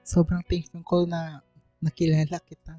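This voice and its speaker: A woman's voice: deep voice, little pitch movement, normal speed, mellow, no room sound, lo-fi sound, soft background music. A woman playing an insecure young gay student in an emotional, hesitant radio drama performance. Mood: subdued, grateful. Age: young adult. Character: tipsy, insecure young gay student, self-doubting and giggly.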